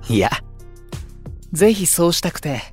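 A man playing an unruffled, poetic young younger brother in a voice drama, elegant and gently persuasive. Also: fairly high pitch, very animated, unhurried, faint music behind. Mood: coaxing. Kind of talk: Japanese voice drama acting.

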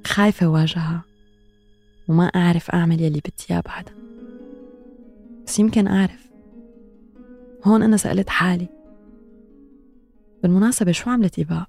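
A woman's voice: fairly low pitch, steady tone, quick pace, gravelly, pauses often, a little mellow, faint music behind. A woman with a Levantine Arabic accent, hosting a podcast and narrating in a reflective, introspective way. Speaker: podcast host. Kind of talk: scripted narration.

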